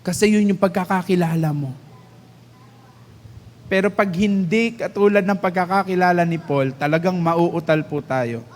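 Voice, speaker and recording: A Filipino man preaching a sermon as pastor, stretching out key phrases for emphasis. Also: high voice. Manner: mixes English and Tagalog, drawn-out emphatic phrases. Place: church hall. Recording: reverberant church hall.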